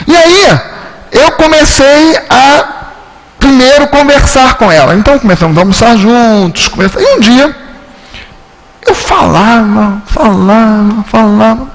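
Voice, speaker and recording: A man's voice: a little hiss or hum, rough recording. A man with a Rio de Janeiro Portuguese accent giving a spiritist lecture, telling a story and acting out the dialogue. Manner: animated storytelling, acts out dialogue with shifting pitch. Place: spiritist centre lecture hall.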